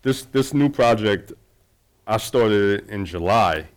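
A man's voice: lowish voice, lively intonation, slow pace. A man, a documentary filmmaker, talking casually in a conversation, loose and rambling with many fillers and restarts.

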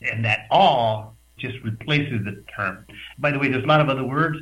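A man from the West Texas border region joins over a video call. His pitch sits in an ordinary middle range. He explains in an animated, thoughtful way, pausing and restarting as he goes. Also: rough recording. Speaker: radio guest, researcher. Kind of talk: conversational explanation.

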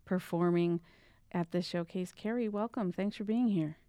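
Host read: woman, lowish smooth voice, dry studio sound, encouraging. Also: normal speed, warm tone, dry recording. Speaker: radio host. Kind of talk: radio interview.

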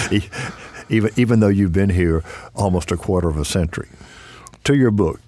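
Deep, mellow-voiced interview host. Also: male voice, unhurried, no echo. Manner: relaxed, conversational questioning.

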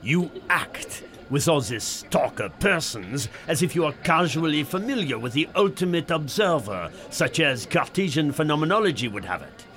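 An excitable existentialist in a comedy sketch. His voice sits a little high and swings around expressively. He argues every point with absurd pedantry. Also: moderate pace, few pauses. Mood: indignant pedantry.

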